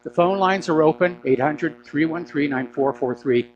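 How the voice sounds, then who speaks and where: Under-the-weather man hosting radio, higher-pitched, noisy feed. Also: lo-fi sound. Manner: feeling sick, under the weather, clearing throat; opinionated, conversational, halting. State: mildly unwell, not sounding normal self. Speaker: radio talk show host. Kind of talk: live call-in radio news commentary.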